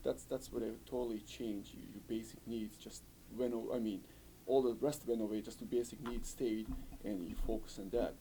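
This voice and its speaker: A man from tells his story in an interview, speaking English. His voice sits somewhat low, and he talks fluently, filling his phrases with "you know." A faint hiss of room noise runs underneath. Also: fairly even intonation, normal speed, warm tone, rough recording. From former Yugoslavia. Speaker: refugee interviewee. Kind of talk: recorded interview testimony.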